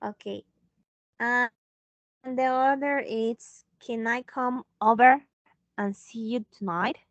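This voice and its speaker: Woman English teacher, slow and patient delivery, fairly high voice, dull dry call audio. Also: fairly even intonation, no room sound. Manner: slow, patient, switching into Spanish to explain. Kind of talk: online English lesson.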